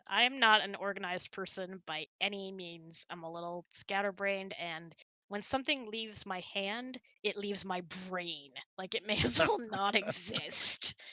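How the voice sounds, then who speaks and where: A woman hosts a casual online hangout, chatty and self-deprecating, thinking aloud while answering audience questions. Her mid-range voice has a sharp tone. The audio is dry and poor, picked up by a close mic on an online voice chat.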